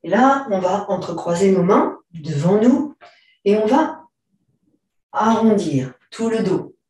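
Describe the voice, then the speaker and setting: Slow, soft-spoken woman teaching yoga. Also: medium pitch. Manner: slow, calm, gentle cues with frequent throat clearing. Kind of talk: guided stretching class instructions. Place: large room during an online class. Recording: very echoey room, far from the mic.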